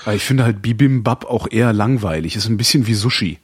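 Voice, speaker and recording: A man's voice: fairly low pitch, fast, husky, no room sound, studio quality. A man in his forties co-hosting a podcast, chatting casually, rambling and laughing often. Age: 40s. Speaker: podcast co-host. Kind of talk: casual chat.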